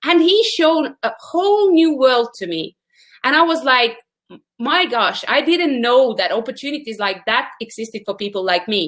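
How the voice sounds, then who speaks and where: A woman speaks in a high pitch with very wide swings up and down. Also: moderate pace. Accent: Estonian. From Estonia. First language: Estonian. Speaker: network marketing presenter. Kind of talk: sales presentation. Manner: animated.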